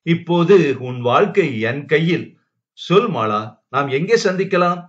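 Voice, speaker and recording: A man's voice: fairly high pitch, lively intonation, measured pace, voice pushed up. A man voicing a scheming male blackmailer who speaks in a coaxing, menacing way. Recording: dull lo-fi recording.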